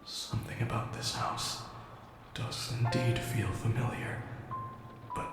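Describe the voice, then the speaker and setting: Man as echoing, slow, bewildered lost soul. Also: mid-range voice, steady tone. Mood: uneasy, melancholy. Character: bewildered, melancholy departed man without memories. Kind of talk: audio drama acting. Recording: long echoing reverb under loud music.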